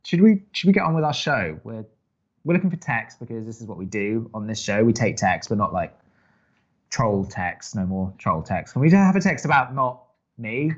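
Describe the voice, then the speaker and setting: A man acting as a young college radio co-host, dry, skeptical and sarcastic, with halting delivery in an audio drama. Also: lowish voice, animated, muffled recording. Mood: awkward, flustered. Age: young adult. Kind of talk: naturalistic audio drama banter.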